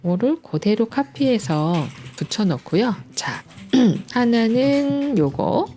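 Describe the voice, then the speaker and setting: Playful woman teaching coding, lively pitch. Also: takes it slowly, faint music behind. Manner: playful, cheerful, sound effects like "짠짠짠"; chatty and patient explaining. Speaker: coding instructor. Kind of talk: screen-recorded programming lesson.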